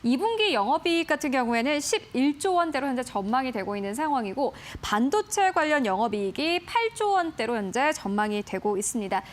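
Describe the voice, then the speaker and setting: A female news caster briefs viewers on stocks to watch. Her voice is high and highly animated, rising and falling throughout. She keeps a clear, upbeat briefing tone. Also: brisk, few pauses.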